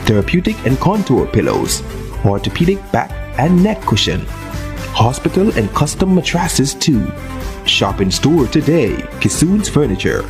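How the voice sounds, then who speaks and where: A man reads a commercial with a lively, animated delivery and a voice that rises and falls widely. A clear music bed runs under him the whole time. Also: mid-range voice. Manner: upbeat, promotional. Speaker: commercial announcer. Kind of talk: radio-style ad read.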